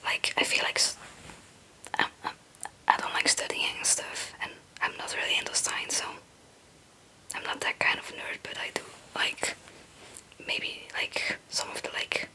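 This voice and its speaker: A woman's voice: unhurried, bright, forceful tone, low-quality recording. A young woman who is a non-native English speaker whispers in a casual, rambling ASMR chat, often hesitant and self-deprecating. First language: not English. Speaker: ASMR video creator.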